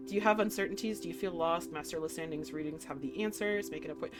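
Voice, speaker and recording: A woman reading a visual novel aloud as a game streamer, mixing expressive narration with casual, playful reactions. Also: fairly low pitch, fast talker. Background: faint music.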